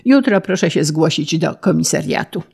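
A woman's voice: deep voice, expressive, moderate pace, gravelly, a little mellow, breathy edge, heavily acted. A woman voicing a smug male usher who delivers a warning in a storybook reading. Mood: threatening.

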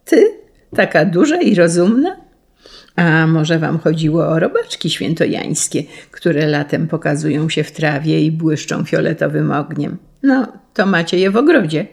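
A woman voicing a kindly uncle who gently teases and explains things to children. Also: deep voice, lively intonation, normal speed, gravelly, husky, heavily acted. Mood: teasing. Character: kindly, amused uncle, a grown man.

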